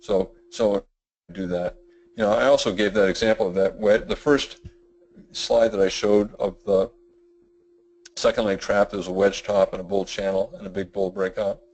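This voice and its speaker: A middle-aged man with a self-described boring, monotone voice presents a trading webinar, rambling through his points with many fillers and restarts. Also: lowish voice, normal speed, low-quality recording. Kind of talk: webinar lecture.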